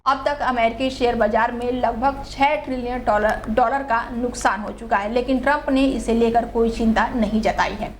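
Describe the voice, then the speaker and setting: Higher-pitched woman reading news. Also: steady tone, moderate pace, hardly any pauses, a little hiss or hum. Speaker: news anchor.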